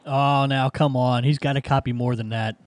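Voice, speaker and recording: A man's voice: medium pitch, steady tone, normal speed. A man with an American accent talking casually as an amateur radio operator, repeating key phrases. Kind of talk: ham radio contact, casual exchange. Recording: loud background noise and clicks.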